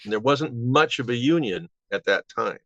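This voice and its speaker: Halting older man, dull dry recording. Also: mid-range voice, animated, a bit bright, no echo. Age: 70s. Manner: halting, rambling with false starts. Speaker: interview guest. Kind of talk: casual reminiscing. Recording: dull, band-limited audio.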